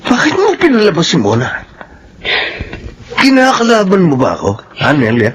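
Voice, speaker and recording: A man's voice: sits high, huge pitch swings, moderate pace, noisy background. An actor playing a selfish, hard-drinking father who bullies his wife and takes his children's money. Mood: threatening. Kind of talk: TV drama acting.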